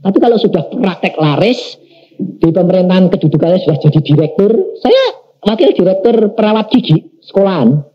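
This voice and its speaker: A middle-aged evangelist tells his story in a sermon. He acts out each dialogue, and his pitch swings widely. The recording is muffled and lo-fi. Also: moderate pace. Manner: animated testimony, acting out dialogues.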